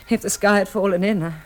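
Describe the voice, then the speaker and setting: A woman's voice: medium pitch, close to an everyday voice. An actress playing a shaken, polite, well-bred young woman with an English accent in a 1960s radio drama, speaking hesitantly. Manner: hesitant, breathless restarts, polite. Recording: old radio recording, faint noise.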